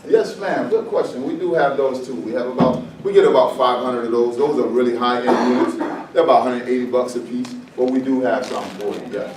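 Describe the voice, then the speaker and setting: A man from the Virgin Islands talks to a roomful of people about fire safety, chatty and quick to joke. His voice sits at an ordinary pitch and reaches the mic from a distance, with the room ringing around it. A steady hiss of noise runs underneath. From U.S. Virgin Islands (St. Croix). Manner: joking, chatty, loose and conversational. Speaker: fire department safety presenter. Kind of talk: informal presentation to a seated group. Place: meeting room with an audience. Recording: echoey room, mic far off, noisy background.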